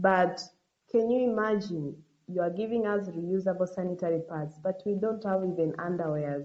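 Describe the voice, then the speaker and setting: A woman's medium-pitched voice at a moderate pace, with ordinary pitch variation and an ordinary speaking voice. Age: 20s. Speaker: foundation founder. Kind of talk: interview answer.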